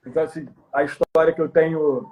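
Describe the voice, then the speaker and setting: This fast-talking Rio man with a high voice is a podcast guest and ex-elite cop sharing a story in a laid-back interview. His telling is lively: he acts out each voice and yells out the shouts himself.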